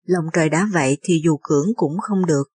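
A woman's voice: low voice, fairly quick, a little mellow, slightly rough, dry recording. A woman narrator voicing a defeated middle-aged male marshal in a grave, resigned way. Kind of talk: scripted narration of a historical novel.

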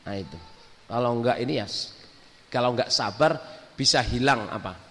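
A man's voice: mid-range voice, normal speed, a bit bright. A man preaching to a congregation, telling a story and acting out the quotes, sometimes mixing in English. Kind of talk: sermon. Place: mosque or prayer hall with a congregation. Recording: hall reverb.

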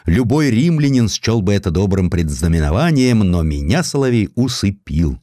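A man's voice: lowish voice, sing-song, moderate pace, warm tone, no room sound, studio quality. A man voicing a restless, sentimental nineteenth-century Russian naval officer in an audiobook, declamatory and heartfelt. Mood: wry.

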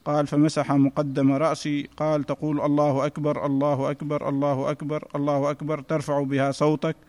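Fast, flat-toned man reading aloud. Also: on the high side. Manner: steady recitation in a level chant. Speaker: student reading the text aloud. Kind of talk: reading a classical text aloud. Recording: echoey hall.

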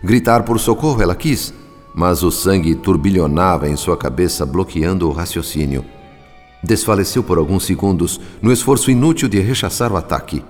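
A man narrating a radio drama in a measured, solemn style. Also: sits low, big-room sound, soft background music.

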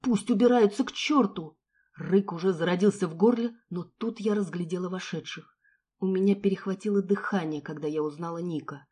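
Woman with a mellow narrating voice. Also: mid-range voice, husky. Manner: expressive storytelling. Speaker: audiobook narrator. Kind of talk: scripted first-person narration.

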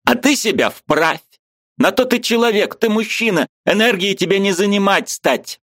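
Мужчина изображает пылкого крикливого спорщика. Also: male voice, normal speed, fairly bright tone, no echo, studio quality. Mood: heated. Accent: Little Russian (Ukrainian) inflection. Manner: hammering, exclaiming, high and heated. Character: fiery preachy male friend, loud zealot.

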